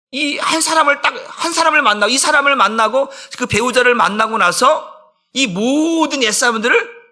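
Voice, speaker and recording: A man's voice: extremely high pitch, pushed and bright. A middle-aged man, a senior pastor, giving an emphatic dawn prayer sermon and acting out friends' taunts in casual speech.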